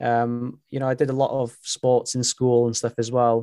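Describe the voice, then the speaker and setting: Over music in the background, a voice with a North Welsh accent speaks at a moderate pace, the sound dry and close with no echo. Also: man. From Wales, Anglesey. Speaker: hiker. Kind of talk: casual chat. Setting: phone call.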